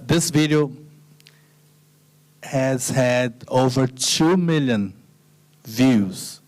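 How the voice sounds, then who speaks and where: Man giving a smooth, relaxed slide lecture. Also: medium pitch. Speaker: guest lecturer.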